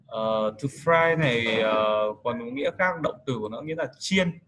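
A man giving a casual vocabulary lesson, explaining slowly and patiently with many fillers. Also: medium pitch, animated, a bit bright. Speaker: English tutor.

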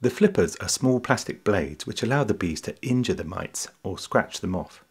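A man narrating a short nature documentary in a calm, measured, explanatory voice-over. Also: on the low side, slightly rough. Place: voice-over, not recorded in the pictured hive.

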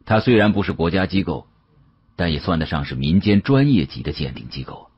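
A man narrating an audiobook as a dramatic first-person story, in a husky storyteller's voice. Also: deep voice, animated, fairly quick, lo-fi sound.

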